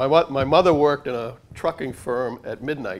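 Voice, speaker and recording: With an American accent, a man speaks in an unremarkable speaking voice at fairly high pitch, with ordinary pitch variation and a fairly quick pace. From Massachusetts. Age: 60s. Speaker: retired FBI undercover agent and author. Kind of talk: public talk. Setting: library talk with audience. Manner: conversational, frequent 'okay?' fillers.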